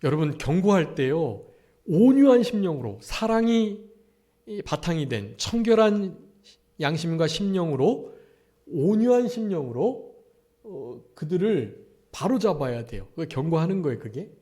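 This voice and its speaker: A man's voice: on the high side, very animated, unhurried, mellow. A male pastor preaching a Sunday afternoon sermon at a church service, often asking the congregation rhetorical questions.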